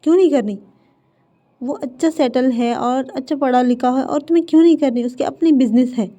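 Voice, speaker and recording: A woman's voice: sits high, fairly quick, dark tone, natural voice. A woman voicing a stern middle-aged father who speaks in curt commands, in a dull lo-fi recording.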